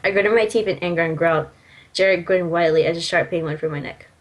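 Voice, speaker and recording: A woman's voice: lowish voice, fast. A woman casually reading amateur fan fiction aloud, giggly and teasing with joking asides. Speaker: story reader.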